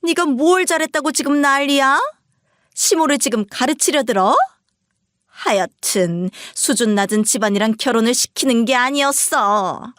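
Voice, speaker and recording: A woman voicing a shrill, contemptuous older mother-in-law who berates her daughter-in-law in a piercing, shouting tone. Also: normal speed, no echo, studio quality. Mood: furious scolding.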